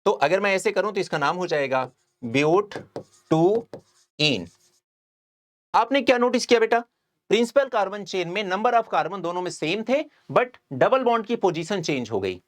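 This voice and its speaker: Man teaching chemistry, lively pitch. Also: moderate pace. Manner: explains step by step, often checks understanding with students. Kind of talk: whiteboard lecture.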